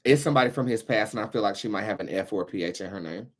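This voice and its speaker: A man's voice: fairly low pitch, rapid-fire, noisy background. A man hosting a casual tarot reading, chatting to viewers in a brash, sassy, freely swearing way. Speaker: tarot reader, show host.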